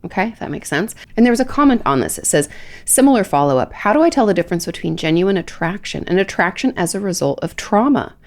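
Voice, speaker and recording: A woman's voice: fairly low pitch, animated, quick pace, a little mellow. A woman with a stuffy, nasal head cold, hosting a solo podcast as a therapist answering listener questions in a chatty way with fillers and restarts. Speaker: podcast host, licensed therapist.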